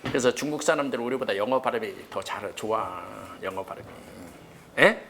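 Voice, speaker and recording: A man lectures a room of exam students in a medium-pitched voice. He is quick and blunt, and he constantly throws questions at the class and then answers them himself. Faint room noise sits behind him. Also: a bit bright. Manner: blunt and joking, with casual rough slang. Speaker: exam prep history lecturer. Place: cram school lecture room.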